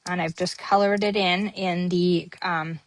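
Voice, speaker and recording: A woman's voice: lowish voice, steady tone, unhurried, no room sound. A woman hosting a casual papercrafting tutorial, chatting with many ums as she works on her project. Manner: chatty, many ums, talks while working. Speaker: papercrafting host.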